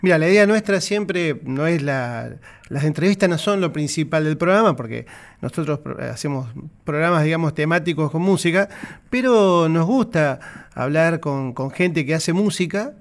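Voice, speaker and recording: A man's voice: fairly high pitch, lively intonation, moderate pace. A man with an Argentine accent hosting a radio show, easygoing and friendly, thanking his guest. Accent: Argentine Spanish. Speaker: radio host. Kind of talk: casual interview chat.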